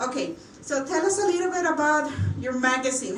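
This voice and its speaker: A woman with ordinary pitch variation, audible room echo, and noticeable background noise. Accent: strong Spanish. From Mexico. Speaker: talk show host and media business owner. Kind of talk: bilingual live talk show interview.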